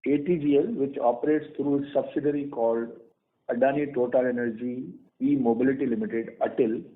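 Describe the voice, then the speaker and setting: A man's voice: mid-range voice, fairly even intonation, a little fast. Indian-accented male executive on a tinny phone line. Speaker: company executive. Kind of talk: prepared earnings call presentation. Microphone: phone or conference call line. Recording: tinny phone-line conference call audio.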